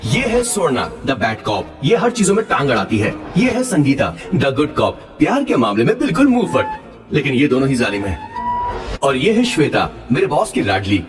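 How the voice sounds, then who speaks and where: A man's voice: mid-range voice, wildly swooping pitch, normal speed, reverberant. An actor voicing a chatty young assistant who narrates his boss's story in a dubbed film. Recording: distant voice over loud music.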